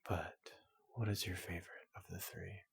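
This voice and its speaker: A man playing a big, gentle robot doctor in a soothing ASMR roleplay, speaking in a hushed, breathy half-whisper with a polite, reassuring manner. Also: low voice, level tone, no echo, full character voice. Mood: gentle, inquisitive. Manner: slow, gentle, reassuring, repeats questions softly.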